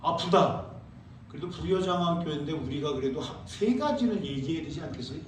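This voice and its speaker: A man preaching a sermon as pastor, asking his congregation questions and answering them himself, and reading scripture slowly. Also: a little high, expressive, slight background noise. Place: church sanctuary. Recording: very echoey church, heard from a distance.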